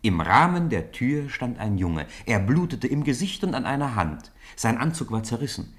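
A man's voice: mid-range voice, very animated, moderate pace. A man narrating a children's radio play as a scripted storyteller.

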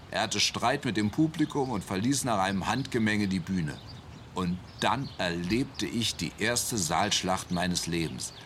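A man's voice: on the low side, a bit bright, slight background noise. An actor playing a plain-spoken man who candidly recalls his bewildering first rock concert as a teenager in a radio play. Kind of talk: German radio play monologue. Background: music.

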